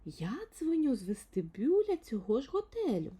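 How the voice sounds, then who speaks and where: Fairy-tale lady stranger, voiced by a woman: middle-aged, soft yet carrying, higher pitch, polite and insistent. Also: huge pitch swings, normal speed, slightly rough, exaggerated voice.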